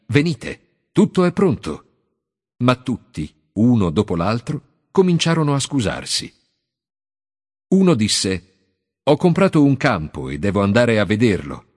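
A calm, authoritative Jesus, read by a man in a bible audiobook. The delivery is measured and solemn, with a lively melody that climbs and drops through each phrase. A long reverb trails behind every line. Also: mid-range voice. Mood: solemn teaching. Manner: measured, solemn teaching cadence.

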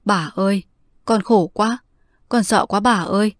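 A woman's voice: mid-range voice, fairly even intonation, moderate pace, no room sound, studio quality, close to an everyday voice. A woman voicing a timid, frightened young orphan girl who answers politely in a trembling voice in a read-aloud story. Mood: sobbing.

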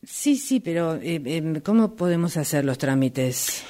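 Woman acting a halting, impulsive house-hunter, unhurried. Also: sits low, animated, warm tone. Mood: hesitant, eager. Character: eager, impulsive woman house-hunter who turns menacing. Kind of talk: amateur radio play rehearsal.

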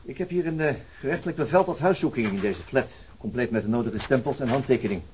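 An actor playing a courteous, methodical police detective with dry humour in a radio crime drama. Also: male voice, medium pitch, animated, fast talker, a little mellow, a little hiss or hum, natural voice, poor audio. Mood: dryly amused. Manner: methodical, dryly humorous.

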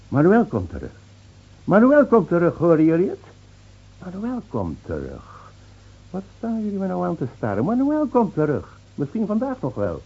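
An actor in a Dutch radio play playing a mocking, defiant old village drunk who foretells doom with theatrical scorn. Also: male voice, fairly high pitch, slightly rough, lo-fi sound, exaggerated voice. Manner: taunting, theatrical, scornfully laughing.

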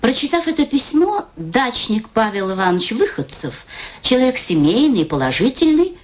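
A woman narrating a literary story in a radio play, in an expressive storytelling manner. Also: fairly high pitch, moderate pace. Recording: radio play with music underneath.

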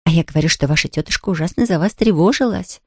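A woman's voice: lowish voice, fast, husky, dry recording, clean studio sound. A woman voicing a blunt, fussy household maid in an audiobook, in a scolding, matter-of-fact manner. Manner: blunt and scolding, then fervent. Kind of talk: audiobook character reading.

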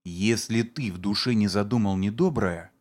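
A man voicing a vengeful man who sneers at and shouts accusations against his brother-in-law. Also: on the low side, normal speed, close to an everyday voice. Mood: sneering accusation.

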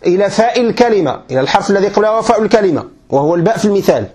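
High-voiced man with Moroccan accent. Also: lively intonation, racing, darkish tone. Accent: Moroccan Arabic. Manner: quizzing listeners with frequent check questions; patient, repeats and restarts points. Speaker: sheikh teaching grammar. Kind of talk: classroom grammar lecture.

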